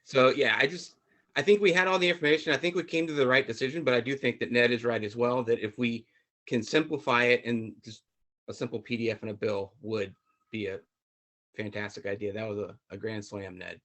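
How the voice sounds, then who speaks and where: Man, committee member, earnest, conversational, mid pitch. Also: steady tone, a little fast, fairly bright tone. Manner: earnest, conversational, many fillers. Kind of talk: public meeting comments.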